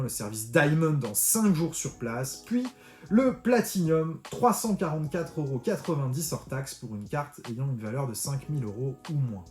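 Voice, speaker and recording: Chatty tutorial host, roomy echo. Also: male voice, mid-range voice, a little mellow. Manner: chatty, addresses the viewer informally with tu. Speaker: card-collecting tutorial host. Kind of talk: screen-recorded tutorial walkthrough. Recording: roomy echo with faint music.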